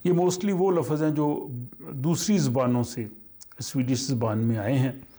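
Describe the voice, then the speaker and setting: A man teaches a language lesson at an unhurried, deliberate pace. His voice is dark and mellow, and he pauses often with fillers as he works through each point. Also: mid-range voice, steady tone. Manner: slow, halting explanation with many fillers.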